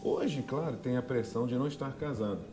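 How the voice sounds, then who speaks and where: A man's voice: medium pitch, brisk. A man, a pastor chatting on a TV talk show and promoting church services. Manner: upbeat promotional delivery with laughs. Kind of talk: casual talk-show chat and church announcements. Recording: music bed behind the voice.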